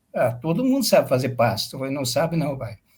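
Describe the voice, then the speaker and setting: Lively intonation in a somewhat breathy male voice. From Brazil, interior of São Paulo state. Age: 70s. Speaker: agronomy professor and researcher. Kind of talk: interview testimony. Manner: hesitant, many fillers.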